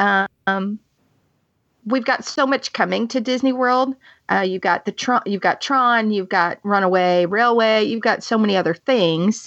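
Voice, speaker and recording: A woman with a Southern US accent speaks fairly slowly at a fairly high pitch with ordinary pitch variation. Her loudness is very even, and the sound is dry and close with no echo against a quiet background. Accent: Southern American. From US South. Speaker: podcast co-host. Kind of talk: casual chat.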